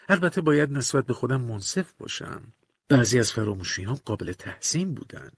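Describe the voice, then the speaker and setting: A man narrating a first-person audiobook in a measured, confessional, colloquial manner, recorded close to a studio mic. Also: mid-range voice, no echo.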